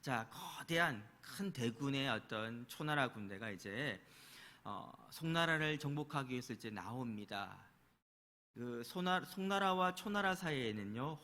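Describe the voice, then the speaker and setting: A man's voice: medium pitch, bright, forceful tone. A man preaching a sermon as pastor, telling a story, acting out the quoted voices and putting rhetorical questions to his congregation.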